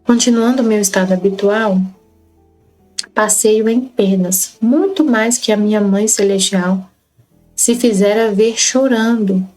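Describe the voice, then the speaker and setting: Brazilian woman, mid-pitched, leads a Catholic study group, reads and explains devotional text with earnest repetition, faint music behind. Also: steady tone, unhurried, a little mellow, poor audio. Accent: Brazilian Portuguese. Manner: earnest, repeats phrases to stress them. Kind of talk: reading and explaining devotional texts.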